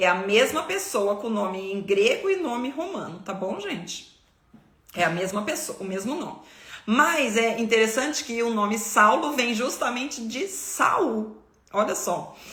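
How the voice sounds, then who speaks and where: A woman speaks fairly slowly in a fairly high voice with very wide pitch swings. Noticeable background noise and audible room echo fill the recording. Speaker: Bible teacher. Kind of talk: Bible study live stream. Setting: live stream.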